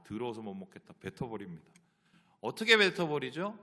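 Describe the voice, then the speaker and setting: A man's voice: medium pitch, bright, forceful tone. A male pastor preaching a sermon, asking the congregation rhetorical questions.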